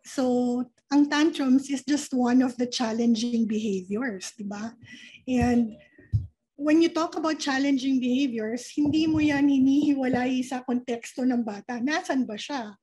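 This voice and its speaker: A woman speaking as an early childhood education expert, calmly explaining with rhetorical questions and mixing Tagalog and English. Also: sits high, unhurried, husky, rough recording. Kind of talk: explanatory interview talk.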